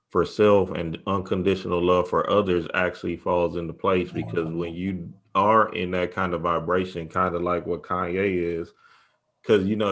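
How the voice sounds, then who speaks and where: Low-voiced man in casual spiritual discussion. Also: a bit bright. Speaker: show host.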